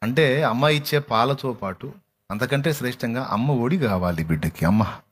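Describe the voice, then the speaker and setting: A man preaching a sermon with passion, moving between hushed, tender speech and heartfelt pleading, with a Telugu accent. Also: medium pitch, lively intonation, moderate pace, slightly rough. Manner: impassioned preaching that breaks into song, soft and hushed at times. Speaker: pastor. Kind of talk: sermon with sung worship.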